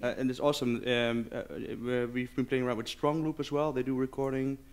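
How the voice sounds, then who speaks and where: Clear-voiced man answering conference questions haltingly. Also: medium pitch, little pitch movement. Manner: halting, searching for words. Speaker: conference speaker, game developer. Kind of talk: informal question-and-answer after a presentation. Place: live conference session.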